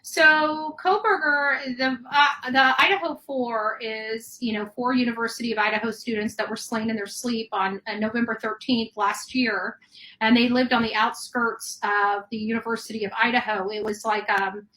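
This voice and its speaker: A woman with a high voice hosts a live true crime call-in show. She has a bright, forceful tone and rambles, restarting her sentences often. She sounds like someone who talks with callers on air. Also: steady tone, moderate pace, rough recording.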